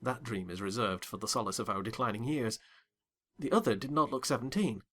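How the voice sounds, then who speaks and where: A man narrating a dramatized audiobook reading in an expressive, wry manner. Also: medium pitch, brisk.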